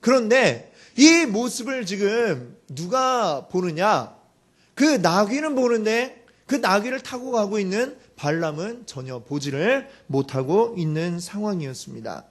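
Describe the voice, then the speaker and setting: A male pastor telling a story in a sermon, animated and dramatic, tossing rhetorical questions to the congregation. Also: high voice, measured pace.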